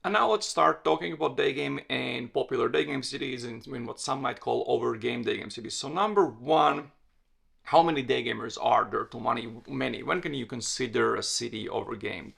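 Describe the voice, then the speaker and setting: A man's voice: medium pitch, a little fast, vocal fry, fairly bright tone, slightly rough. A man from Latvia, hosting a solo podcast in a direct, conversational way and often correcting himself mid-sentence. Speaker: podcast host and dating coach.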